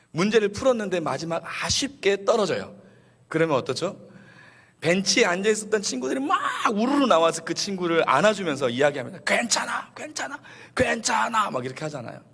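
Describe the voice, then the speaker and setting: A male pastor preaching a Sunday sermon in an animated way, acting out the quotes he tells. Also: fairly high pitch. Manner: animated, acts out quotes with shifting voices. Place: church sanctuary. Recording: long church reverb.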